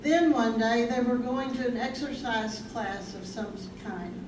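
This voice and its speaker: A woman's voice: a little high, unhurried, natural voice. A woman reading as an ensemble narrator in a scripted staged play reading. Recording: roomy distant stage mic, loud noise.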